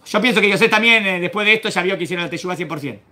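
A man's voice: high-pitched, racing, pushed and bright. A man teaching a Torah class as a rabbi, quizzing his students and acting out the verses. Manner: questions the class and acts out the verses.

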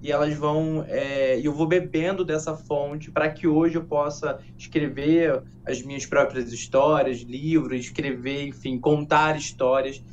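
A man with a voice a little higher than most, telling an old folk tale softly and without hurry. The sound is slightly dull, with a faint hum underneath, as in a studio broadcast. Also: fairly even intonation, unhurried, hardly any pauses. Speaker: guest, educator and storyteller.

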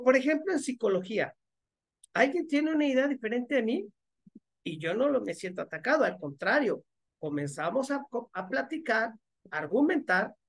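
A man giving mocking, sarcastic commentary as he reads out viewer comments. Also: sits high. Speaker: religion critic commentator.

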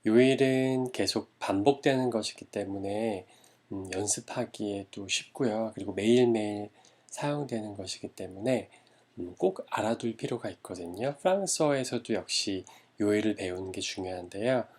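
A man teaching a language lesson, modeling each word slowly and repeating it for learners. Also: lowish voice, darkish tone. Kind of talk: slow, careful language lesson.

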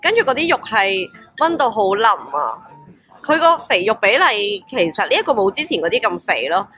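A young woman with a Hong Kong Cantonese accent chats through her travel vlog, gushing and exclaiming over each dish. Her voice sits at an ordinary middle pitch. Music plays behind her. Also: normal speed. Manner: chatty and excitable, exclaiming over food. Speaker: travel vlogger. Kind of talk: casual vlog narration. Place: restaurant table, indoors. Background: background music.

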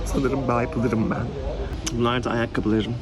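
A man's voice: medium pitch, fairly even intonation, unhurried, crowd noise. A young man chatting casually to the camera in an office for his vlog, laughing often. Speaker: vlogger. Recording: noisy background.

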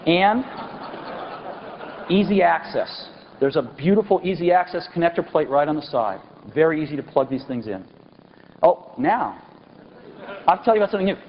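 A man in his forties giving an enthusiastic product launch keynote on a large auditorium stage, pausing for effect and stressing key words. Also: fairly high pitch, expressive. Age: 40s. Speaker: company executive presenting a product keynote. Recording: dull lo-fi 1999 event recording with faint hiss.

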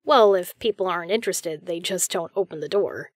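A woman's voice: fairly low pitch, fairly quick, dry recording, studio quality, lightly acted. A woman playing a friendly, chatty, reassuring female caroler in a one-sided roleplay audio conversation. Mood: cheerful, chatty. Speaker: voice actor.

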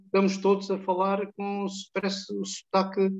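An older man from Angola tells his stories in a calm, chatty way, his voice sitting a little high for a man. He speaks from a plain room over a video call, and the sound comes through dull and lo-fi. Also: normal speed. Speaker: guest. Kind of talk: casual interview chat, telling anecdotes. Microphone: webcam on a video call.

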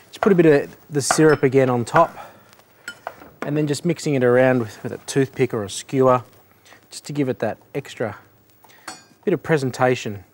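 A man's voice: medium pitch, noisy background. A man, a chef host walking through a dessert recipe on a studio kitchen set. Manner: matter-of-fact, step-by-step. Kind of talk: cooking demonstration.

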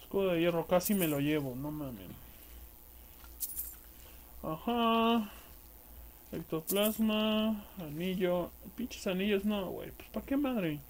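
Speaking slowly with long pauses and lively intonation, a high-pitched man with a Mexican accent narrates his gameplay over slight background noise. The streamer's casual commentary is crude and slang-heavy, with plenty of swearing at enemies.

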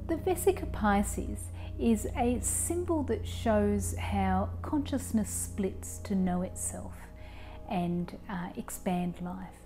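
A woman in her forties leading a guided meditation in a calm, soothing, soft voice that gets breathy at phrase ends. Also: medium pitch, slow, rough recording. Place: small living room, indoors. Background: soft music.

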